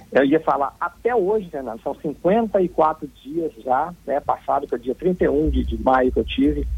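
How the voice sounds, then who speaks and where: A man speaks at a fairly slow pace with hardly any pauses. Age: 50s. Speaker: cartoonist, Covid survivor. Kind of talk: radio interview, personal testimony. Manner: halting, repeats words.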